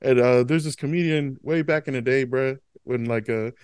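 A man's voice: medium pitch, moderate pace, a little mellow, smooth, no echo. A man with a mid-range voice, recorded dry and close, talking casually on a podcast. His speech is slangy and profane, and he leans hard on his points.

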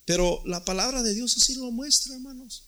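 A man's voice: extremely high pitch, fairly quick, sharp tone. A man preaching a sermon as pastor, emphatic and often repeating words.

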